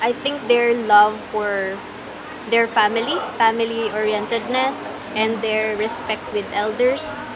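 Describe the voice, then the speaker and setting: Noticeable background noise and audible room echo surround a woman's fairly high voice. She talks at a very slow pace. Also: fairly even intonation. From Philippines, Bicol region. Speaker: interviewee, expat in Vietnam. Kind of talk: casual interview chat. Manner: loud.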